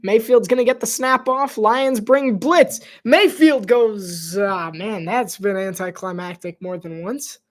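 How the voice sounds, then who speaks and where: A man calling a game live in a loose, conversational way, wandering into side stories between plays. He laughs often and sometimes drops his voice to a near whisper for quick asides. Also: sits high. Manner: chatty, rambling asides, frequent laughs. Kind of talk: casual play-by-play livestream commentary.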